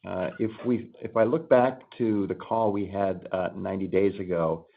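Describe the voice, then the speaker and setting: A man answering off the cuff as a company executive on a call, halting as he thinks aloud. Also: low-pitched, steady tone, gravelly, husky. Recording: narrow tinny phone-line sound.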